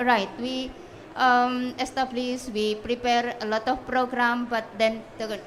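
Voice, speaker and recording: A woman's voice: fairly high pitch, a little hiss or hum. A woman with an Indonesian accent moderating a conference panel, hesitant, with many fillers and restarts. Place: conference pavilion.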